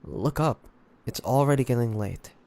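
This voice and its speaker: A man playing a wary, stubborn young demon hunter in an intimate audio roleplay, speaking in a hesitant, grudging, halting way. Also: medium pitch, expressive, vocal fry, warm tone. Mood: flustered, defensive. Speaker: voice actor. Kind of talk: intimate audio roleplay acting, addressing the listener.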